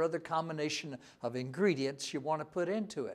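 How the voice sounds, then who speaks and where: This is a normal speaking voice with an American accent. The intonation is lively. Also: man. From Texas. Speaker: pastor. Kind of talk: sermon. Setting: online church service video.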